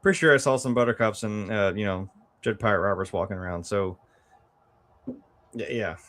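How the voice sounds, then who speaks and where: A man's voice: on the low side, moderate pace, fairly bright tone, a little hiss or hum. A man chatting casually about films as a co-host, in a conversational way with trailing asides. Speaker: film review show co-host.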